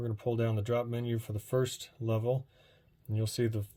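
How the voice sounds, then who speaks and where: A man's somewhat breathy, dark, mellow voice at medium pitch, monotone and flat, on a very clean recording with a silent background. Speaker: music production youtuber. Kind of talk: tutorial. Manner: more monotone than usual.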